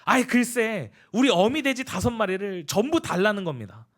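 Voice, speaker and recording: A hot-tempered village deacon, voiced by a male preacher huffs out his complaints in a high voice. His pitch leaps about as he protests. He is a new believer retelling his grievance to his pastor. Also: sing-song, normal speed. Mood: indignant. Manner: agitated, huffing complaints.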